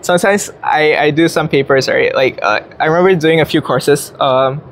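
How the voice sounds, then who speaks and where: A man's voice: fairly high pitch, fairly bright tone, slight background noise. A young man from Singapore, an international student, answering interview questions casually with many fillers and restarts. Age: young adult. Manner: quick, hesitant, lots of fillers and restarts, laughs often.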